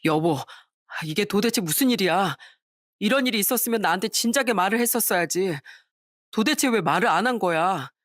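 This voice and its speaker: An enraged husband snaps orders and scolds in a dramatized story reading, put on by a woman. The voice stays at an ordinary pitch with a dry, close sound. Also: animated, fairly quick, no room sound, lightly acted. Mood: upset. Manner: harsh, scolding, commanding. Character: angry middle-aged husband defending his wife.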